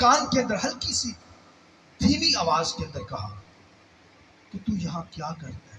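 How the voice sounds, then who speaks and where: A man's raised, projected voice amid noticeable background noise. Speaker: preacher. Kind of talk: church sermon.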